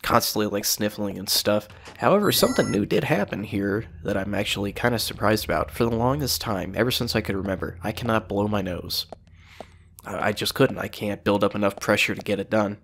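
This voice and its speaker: A man's voice: on the low side, brisk, creaky, fairly bright tone, a little hiss or hum. Stuffy-nosed man rambling over gameplay. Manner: rambling, chatty, swears casually. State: congested with a cold, sniffling. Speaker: gameplay commentator. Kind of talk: casual let's play commentary.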